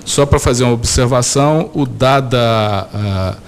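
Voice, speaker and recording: A man's voice: medium pitch, moderate pace, gravelly, slight background noise. A man hosting a radio interview, asking hesitant questions full of fillers.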